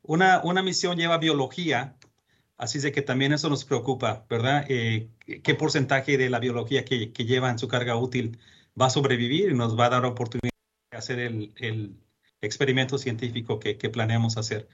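A Mexican man with a Mexican accent answers radio interview questions about space missions in an earnest, thoughtful way. He keeps hesitating with fillers and restarts. His voice sits at a middle pitch, and the broadcast sound is a little muffled. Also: steady tone, a little fast, a bit bright, breathy edge. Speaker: interview guest, space executive.

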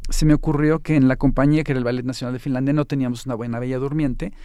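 A man's voice: medium pitch, steady tone, very fast, mellow, smooth, dry recording. A middle-aged man with a Mexican accent, a choreographer telling his story candidly in an interview. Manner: candid, storytelling, self-correcting. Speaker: ballet choreographer, guest. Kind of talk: reflective interview answers.

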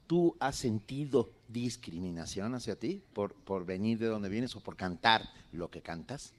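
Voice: medium pitch, expressive, a little slow. A host at a live outdoor event, asking a guest a question.

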